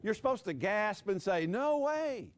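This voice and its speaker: A man in his sixties preaching a sermon with dramatic pauses, dropping his voice low on key words and joking with the congregation. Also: very animated. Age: 60s. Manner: jokes with the audience.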